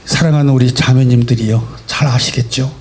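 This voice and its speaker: A male pastor preaching a sermon, asking rhetorical questions and swinging between soft and loud emphasis. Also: medium pitch, fairly even intonation, brisk, husky. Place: church sanctuary.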